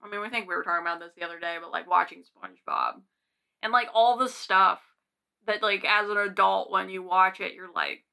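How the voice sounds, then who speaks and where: Bright-voiced young American woman chatting casually. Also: medium pitch, steady tone, fairly quick, vocal fry. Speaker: podcast co-host. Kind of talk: casual chat.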